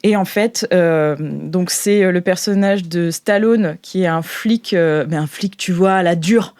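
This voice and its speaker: A game master speaks at a medium pitch in a very dry, close recording. The delivery is casual and improvised, hesitating and searching for words while narrating a tabletop role-play scene. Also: unhurried, a little mellow, no room sound.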